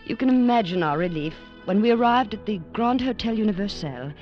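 A woman's voice: mid-range voice, lively intonation, a little fast, close to an everyday voice. An actress playing an earnest young English woman who narrates her story and speaks breathlessly, in 1940s radio acting. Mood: recounting. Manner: breathless, wide-eyed. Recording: muffled old radio broadcast with music.

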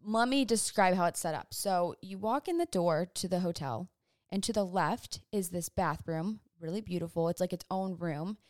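A woman's voice: lowish voice, moderate pace, darkish tone, no echo, studio quality. A young woman in her twenties telling a long, rambling storytime to camera in casual chat, sidetracking often. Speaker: vlogger. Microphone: phone or camera on a stand.

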